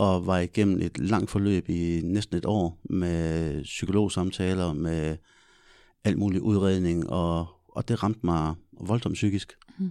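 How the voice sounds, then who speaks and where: Over a quiet background, a man with a very deep, low pitch and a dark, mellow tone speaks at a very slow pace with fairly even intonation. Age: 40s. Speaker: social worker with troubled youth. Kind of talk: casual interview. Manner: halting.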